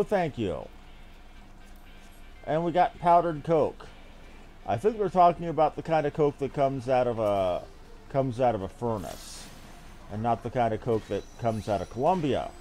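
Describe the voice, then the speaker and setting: A man's voice: mid-range voice, big pitch swings, unhurried, pauses often, warm tone. A man giving casual live commentary while streaming a game, with a wry, mildly profane way of talking.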